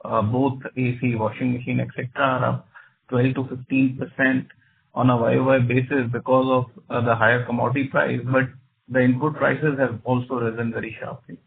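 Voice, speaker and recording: Indian guy, company exec on a phone conference, creaky voice, explains stuff point by point. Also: medium pitch, level tone. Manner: deliberate, point by point. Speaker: company executive on an earnings call. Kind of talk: explanatory business talk. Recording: dull conference phone line.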